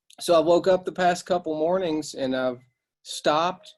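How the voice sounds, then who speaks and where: Music plays in the background as a man speaks. His intonation stays fairly even. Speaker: recovery workshop participant. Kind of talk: sharing in a recovery meeting; casual chat.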